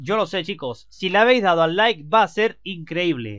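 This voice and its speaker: Speaking with a Spanish accent, a man has a high pitch and an animated tone. The background is quiet. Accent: Peninsular Spanish. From Spain. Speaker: gaming youtuber. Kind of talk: gameplay commentary.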